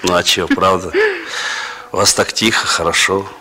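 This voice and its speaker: A young actor playing a rough, laconic young man with a hard past who talks in a colloquial, gently teasing way, in 1960s radio drama style. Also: low voice, steady tone, normal speed, soft background music. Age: young adult.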